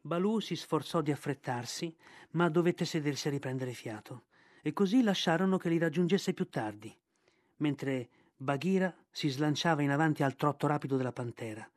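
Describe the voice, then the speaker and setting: A man reading a novel aloud in a measured, expressive narrating voice. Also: a little high, no echo, studio quality. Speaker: audiobook reader.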